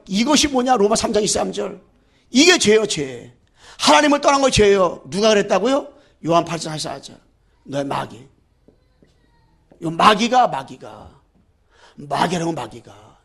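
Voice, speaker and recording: A man preaching a sermon as pastor, fervent, shifting between loud declarations and low asides, and leading the congregation in repeating phrases after him. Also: gravelly. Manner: leads the congregation in call-and-repeat.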